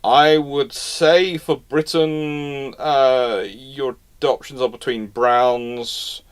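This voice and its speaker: A man's voice: medium pitch, steady tone, very slow, clean tone. A man hosting a live question and answer session, talking informally and knowledgeably, often restarting and repeating his phrases. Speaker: host answering audience questions. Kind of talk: live Q&A, casual history talk.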